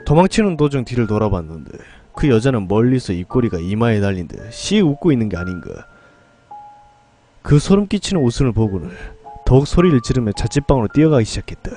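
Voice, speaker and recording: Dramatic male horror storyteller, lively pitch. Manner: dramatic first-person storytelling. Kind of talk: scripted horror narration.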